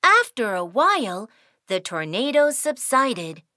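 A woman's voice: a little high, very animated, slow pace, pushed and bright, no room sound, studio quality. A woman narrating a children's cartoon in a sing-song, cheerful storytelling way.

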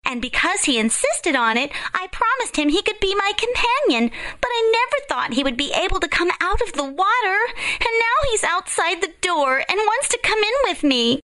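A woman voicing a spoiled young princess in a storybook reading, her voice pushed high and girlish. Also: very animated, normal speed, exaggerated voice. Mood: anxious. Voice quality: very high and bright.

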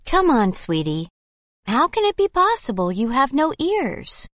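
A gentle mother hen. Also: high voice, huge pitch swings, measured pace, dry recording, clean studio sound, exaggerated voice. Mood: reassuring. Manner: soothing, reassuring.

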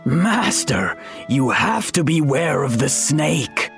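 A woman playing a gruff old horse. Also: deep voice, sing-song, takes it slowly, pitched below the performer's own voice, full character voice. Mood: warning. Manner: gruff, warning. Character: old male horse, cautious and loyal. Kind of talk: children's storybook reading. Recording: faint music behind.

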